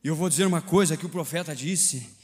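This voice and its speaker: A man with a Brazilian Portuguese accent preaching a sermon in a church, swinging between shouted climaxes and low, hushed passages in a repetitive preaching cadence. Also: fast, in a large hall. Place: church sanctuary.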